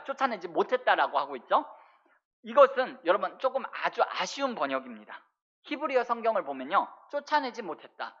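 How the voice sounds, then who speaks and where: A woman's voice: medium pitch, a bit bright, highs cut off. A woman pastor preaching a sermon, often turning to the congregation with rhetorical questions.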